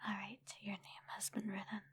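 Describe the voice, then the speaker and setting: A woman chatting casually in a soft, breathy ASMR whisper, informal and rambling, close to the microphone. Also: medium pitch, monotone, normal speed. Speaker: ASMR creator and streamer answering viewer comments.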